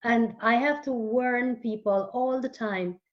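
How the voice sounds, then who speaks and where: Romanian-native woman being interviewed, earnest, trips over her words a bit, muffled recording. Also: a little high. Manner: earnest, halting with repeated words. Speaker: guest author and holistic therapist. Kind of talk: casual interview talk.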